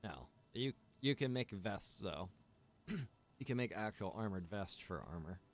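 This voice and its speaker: Casting: young adult male streamer, low-ish voice, loose rambling chat with viewers. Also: unhurried. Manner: rambling, relaxed, chatty with viewers. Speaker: streamer and server owner. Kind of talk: casual gaming stream chat.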